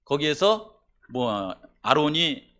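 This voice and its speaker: A male pastor preaching a sermon in a church, conversational, often asking the congregation questions, swinging between loud emphasis and quiet asides. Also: a little high, sing-song, slow.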